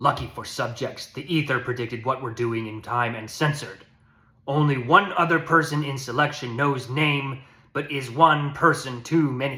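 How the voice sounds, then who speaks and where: Using a put-on character voice, a man growls his lines at a moderate pace. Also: medium pitch for a man. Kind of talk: menacing shouting. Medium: read story. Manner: broken clipped grammar, shouted commands.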